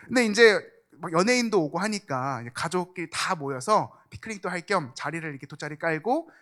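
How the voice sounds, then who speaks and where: A man's voice: a little high, expressive, brisk, fairly bright tone. A young man preaching a sermon in a church, telling a personal story with acted-out quotes and dropping at times to a near whisper. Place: church sanctuary.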